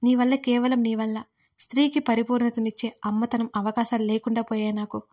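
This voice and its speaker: A woman's voice: on the high side, level tone, fast talker, mellow, natural voice. A woman reading the lines of a grieving young woman who speaks with tearful reproach in an audio story. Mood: bitter, tearful.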